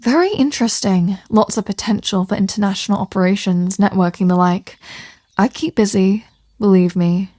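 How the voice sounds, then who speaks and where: A woman's voice: medium pitch, moderate pace, mellow, no echo, close to an everyday voice. Woman playing a flirty mafia boss, close and dry. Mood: flirtatious, assured.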